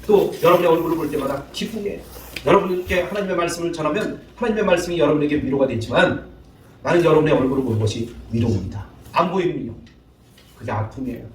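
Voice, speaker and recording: A man's voice: fairly high pitch, roomy sound, far from the mic, a little hiss or hum, poor audio. A male pastor preaching a sermon, acting out spouses' lines in changed voices and calling out to the congregation for responses. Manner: lively, calls out to the congregation for responses. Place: church sanctuary.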